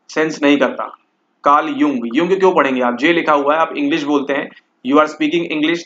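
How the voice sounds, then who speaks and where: This man's voice sits fairly high and sounds a bit bright as he works through exam questions in Hindi mixed with English. He constantly checks in, repeating "ठीक है" again and again, and the recording is slightly dull and lo-fi.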